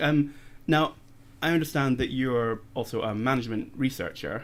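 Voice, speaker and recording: A man's ordinary speaking voice at medium pitch, with ordinary pitch variation and a moderate pace. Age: 30s. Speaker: podcast host. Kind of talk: podcast interview.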